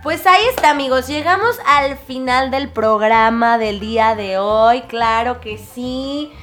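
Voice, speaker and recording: Young woman, Mexican accent, radio host, high voice, chatty and playful, faint music behind. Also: a little slow, fairly bright tone. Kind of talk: casual radio chat.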